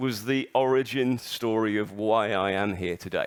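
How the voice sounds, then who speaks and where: A man with a British accent. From UK. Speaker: conference speaker, retail consultant. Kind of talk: conference presentation. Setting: stage with audience.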